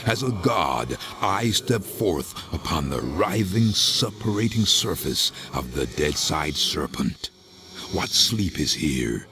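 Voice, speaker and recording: A man's voice: deep voice, big pitch swings, takes it slowly, sharp tone, slight background noise, exaggerated voice. A male actor voicing a brooding, world-weary undead warrior in a video game, bitter and sardonic, with street-tough phrasing. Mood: solemn, ominous. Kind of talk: dramatic game cutscene acting. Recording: background music under the voice.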